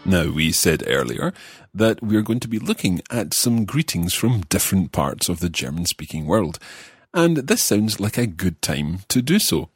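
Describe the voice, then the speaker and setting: A man with a very low, husky voice leads a podcast language lesson. He speaks carefully and clearly for learners. The sound is dry and close. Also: sing-song, normal speed, dry recording, faint music behind. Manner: careful, enunciating learner pronunciation. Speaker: language course host. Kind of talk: podcast language lesson, repeating phrases slowly.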